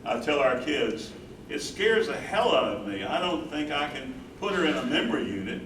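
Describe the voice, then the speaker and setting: A man's voice: a little high, very animated, normal speed, a bit bright, far from the mic. A man playing an earnest, grieving older husband who cares for his wife, in a dramatic staged play reading. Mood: troubled recounting. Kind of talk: staged play reading, first-person narration. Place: live staged reading in echoey room. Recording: roomy, noisy stage recording from afar.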